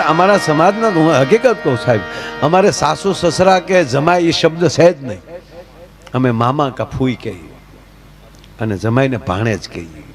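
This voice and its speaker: Male folk storyteller, Kathiawadi Gujarati accent, high voice, chatty with the crowd, soft music underneath. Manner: chatty, addresses the crowd directly. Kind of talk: stage comedy storytelling.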